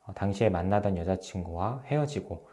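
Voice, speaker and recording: A man in his thirties, a relationship counselor, calmly giving advice to his viewers, with frequent filler sounds between phrases. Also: low-pitched, fairly quick, a little hiss or hum. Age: 30s. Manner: calm, steady explaining with frequent "uh" fillers. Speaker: relationship counselor and channel host. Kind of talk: advice talk to camera.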